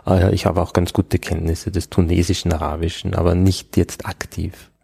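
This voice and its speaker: A man's voice: deep voice, little pitch movement, moderate pace, vocal fry, mellow, slightly rough, no room sound. A man, answering interview questions thoughtfully and hesitantly, with many fillers. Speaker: interviewee, Arabic scholar. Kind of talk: conversational interview.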